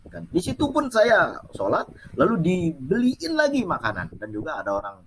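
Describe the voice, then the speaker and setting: Male storyteller, chatty and animated, very lively pitch, noisy recording. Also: normal speed. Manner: animated, chatty, laughs while telling. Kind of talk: casual personal storytelling.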